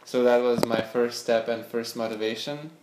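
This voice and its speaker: A man's voice: mid-range voice, steady tone, moderate pace, background noise. A young man from Lithuania, answering interview questions hesitantly, often repeating words as he searches for them. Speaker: interview guest, scientist and startup founder. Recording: echoey room.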